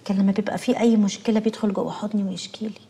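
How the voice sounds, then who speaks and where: A woman's voice: mid-range voice, steady tone, rapid-fire, warm tone, close to an everyday voice. Woman playing a pleading young wife. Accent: Egyptian Arabic. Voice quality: pleading, emotional. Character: devoted anxious young wife. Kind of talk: TV drama acting.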